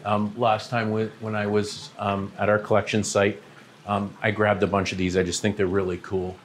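A man's voice: lowish voice, moderate pace, slight background noise. A middle-aged man, a shop owner, giving a casual walking tour of his large indoor aquarium shop and warehouse, talking with lots of "um" fillers. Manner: relaxed, many "um" fillers, pointing at products as he walks.

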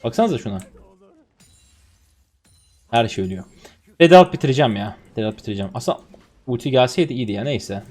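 A man in his twenties from Turkey, streaming a game and commenting on his play, swinging from low muttering to loud excited outbursts. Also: quick pace, long pauses. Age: 20s. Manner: swings from muttering to shouting and laughing.

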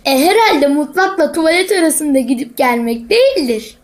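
A woman's voice: sits high, animated, moderate pace. A woman voicing a witty, cheeky cartoon schoolboy who explains things with confidence in a childlike voice. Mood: witty, confident. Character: witty, cheeky schoolboy, pious know-it-all with a ready answer. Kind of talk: scripted comic cartoon dialogue.

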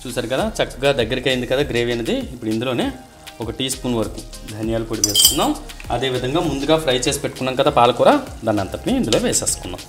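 A man's voice: medium pitch, very fast, over music. A man narrating a cooking recipe step by step, addressing viewers directly in an instructional way. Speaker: host of a cooking channel.

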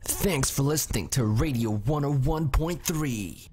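Male performer as bold radio sweeper announcer, husky, medium pitch, processed with reverb. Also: unhurried, darkish tone. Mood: bold announcing. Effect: radio imaging processing with studio reverb.

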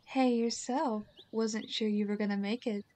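Female bodyguard colleague, acted by a woman for roleplay drama: wry, offhand, teasing, voice a bit on the high side. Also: fairly even intonation, moderate pace, warm tone, natural voice. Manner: dry, teasing, casual. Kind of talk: roleplay audio drama acting.

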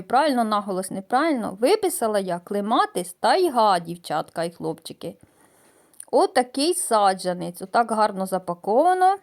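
A middle-aged woman from southern Ukraine talks in a chatty, homely way, stopping often for fillers and small hesitations. Her voice sits a little high for a woman. She sounds relaxed and conversational, like a casual vlog. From Mykolaiv region, Ukraine. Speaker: gardening vlogger. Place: outdoors in a village garden. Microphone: voice-over added after filming.

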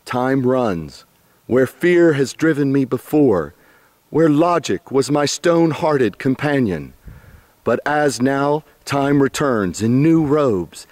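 A man reciting his own poem dramatically and fervently, halting phrase by phrase. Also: medium pitch, darkish tone, dry recording.

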